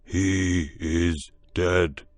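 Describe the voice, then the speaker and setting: A man voicing a solemn, hairy gray beast-man in a storybook reading, with a halting, grave delivery. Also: low-pitched, fairly even intonation, dry recording, soft background music.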